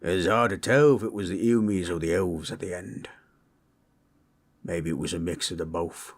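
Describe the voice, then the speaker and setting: A man voicing a gentle, comforting orc in intimate roleplay audio, telling tribal lore in husky, unhurried, rough and ungrammatical speech. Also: low voice, exaggerated voice. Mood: somber. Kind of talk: intimate roleplay audio, slow soothing storytelling.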